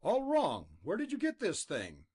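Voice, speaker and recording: A man voicing a big adult miner, in a higher, livelier voice than his narration. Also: wildly swooping pitch, measured pace, darkish tone, breathy edge, heavily acted. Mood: uneasy.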